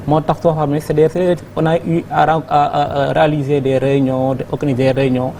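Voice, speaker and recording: A man's voice: a little high, little pitch movement, a little fast, darkish tone. A man from Senegal with a Senegalese accent, a guest economist answering in a TV studio interview, hesitant and repeating his words. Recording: clear background noise.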